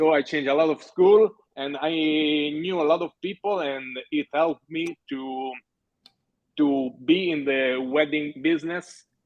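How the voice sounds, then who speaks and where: At a fairly slow pace, a man with an Italian accent speaks in a fairly high voice with fairly even intonation. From Italy, Naples. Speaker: wedding photographer. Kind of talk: casual interview. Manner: halting, many fillers.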